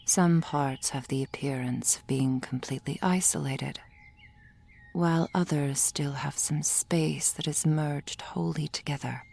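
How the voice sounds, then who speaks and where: A woman playing a gentle, reassuring soul healer in an ASMR roleplay, speaking in a soft, formal whisper. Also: deep voice, fairly even intonation, measured pace, gravelly, husky, full character voice. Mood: soothing whisper.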